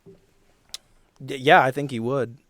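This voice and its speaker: A man's voice: mid-range voice, steady tone, slow pace, fairly bright tone, dry recording, clean studio sound. A man on a tabletop role-play podcast, narrating casually and rephrasing as he thinks.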